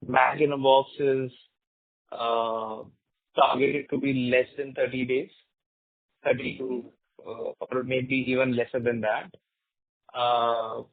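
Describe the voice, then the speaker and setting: A man's voice: mid-range voice, fairly even intonation, a little slow, no room sound. Male executive on a tinny phone line. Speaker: company executive answering analyst questions. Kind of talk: earnings call answers. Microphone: conference phone call.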